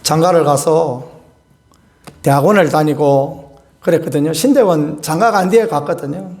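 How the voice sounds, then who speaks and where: High-voiced pastor telling a folksy story. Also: male voice, moderate pace. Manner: folksy, animated storytelling with chuckles. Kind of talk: sermon with personal storytelling.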